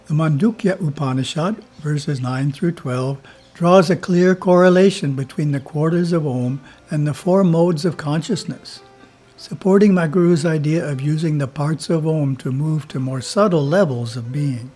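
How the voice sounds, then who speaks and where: Mellow, husky man reading slowly. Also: on the high side, soft background music. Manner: slow, measured, chanting Om. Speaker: spiritual teacher. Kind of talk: reading a spiritual editorial.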